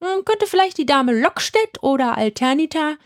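A woman voicing an eccentric female Christmas witch who speaks in exaggerated courtly phrases with high, squeaky swoops. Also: lively intonation, moderate pace, no echo, studio quality. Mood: mock-courtly.

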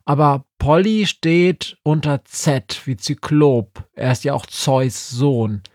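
A man's voice: mid-range voice, slow pace, a little mellow, no room sound, clean studio sound, pitched above the performer's own voice, lightly acted. A man voicing a grumpy, stubborn old female Christmas witch. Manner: cranky, stubborn.

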